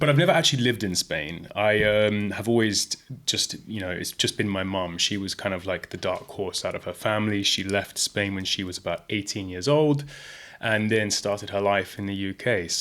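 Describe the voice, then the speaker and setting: In a British accent, a man talks with a fairly low pitch. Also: ordinary pitch variation, moderate pace, very clean recording, silent background. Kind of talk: casual, conversational.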